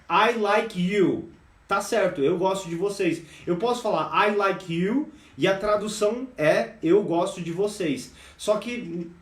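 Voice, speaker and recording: A Brazilian man with a Brazilian Portuguese accent, teaching an English lesson on a live stream. He talks in a lively way and keeps calling his viewers "guys". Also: high voice, distant mic. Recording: echoey room, voice a bit off-mic.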